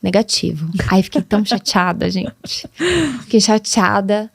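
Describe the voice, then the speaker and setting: A woman in her thirties with a São Paulo interior caipira accent, a podcast guest telling stories in an animated, casual way. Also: mid-range voice, a little slow, gravelly, no room sound. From Piracicaba, São Paulo state, Brazil. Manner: animated, acts out dialogue, laughs often. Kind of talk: casual storytelling chat.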